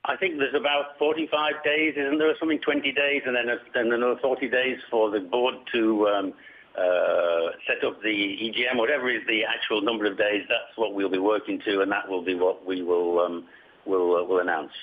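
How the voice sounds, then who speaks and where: A man speaking as a company executive on a conference call, answering questions in a formal, measured, hesitant way. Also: on the low side, fairly even intonation. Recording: muffled conference call line.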